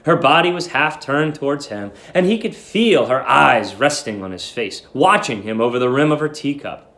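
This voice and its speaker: A man's voice: medium pitch, animated, normal speed, fairly bright tone. A man narrating in a dramatic storybook reading style. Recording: roomy echo.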